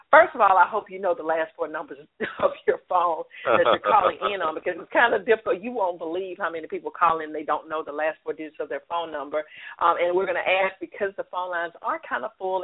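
A woman hosting a call-in talk show, chatty and long-winded, heard on tinny phone-line audio. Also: on the low side. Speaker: radio call-in show host.

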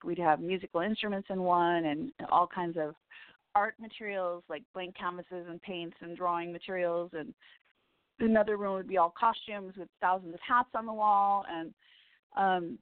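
A woman hosting a spiritual radio show, her voice scratchy and hoarse, chatting in a rambling, heartfelt way with little laughs. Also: medium pitch, no room sound. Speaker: radio show host and psychic reader. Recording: tinny phone line, dry.

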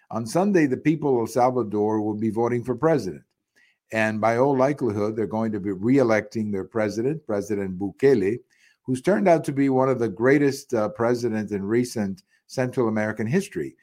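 A man's voice: mid-range voice, darkish tone. Man, middle-aged, from Cuba, commentary monologue, indignant tone, restarts and fillers. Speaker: podcast commentator.

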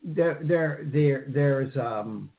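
A man's voice: medium pitch, very slow. Rambling male psychic radio host. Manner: rambling, cautious advice with fillers. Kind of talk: call-in radio reading. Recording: tinny phone-like line.

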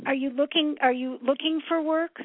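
A middle-aged woman from upstate New York giving a live psychic reading on a call-in show, halting as she thinks aloud and addressing callers with familiar endearments. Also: high voice, fairly even intonation, dry recording. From upstate New York, United States. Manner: familiar, calls callers hon and sweetie. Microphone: telephone. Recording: narrow, tinny phone-line sound.

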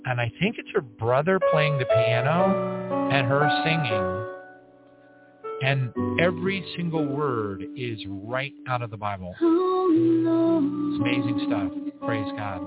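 A man hosting an online prayer service, talking in a rambling, halting way with many fillers and restarts and frequent little bursts of praise. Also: medium pitch. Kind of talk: casual unscripted church broadcast talk. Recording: tinny phone-like audio, soft music behind. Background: faint music.

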